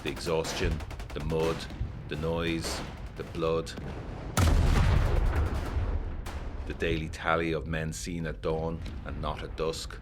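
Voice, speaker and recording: An actor playing a haunted, introspective 1920s gentleman and former army captain, reading a letter in a formal, measured, grave way in a gothic audio drama. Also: extremely low pitch, completely flat delivery, heavy background noise. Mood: sombre, weary.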